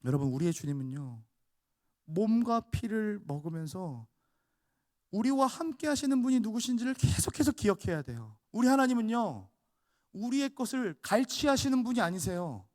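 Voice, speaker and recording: A man's voice: sits high, big pitch swings, normal speed, darkish tone. A man in his thirties preaching a sermon as pastor, telling stories with acted-out dialogue and building to emphatic peaks.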